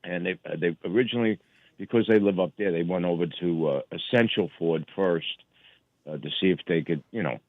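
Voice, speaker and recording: A man with a very low voice calls in and rambles through a story, stopping and restarting often. His voice comes through a tinny telephone line. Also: a little fast, dry recording. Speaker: caller. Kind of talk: phone-in chat.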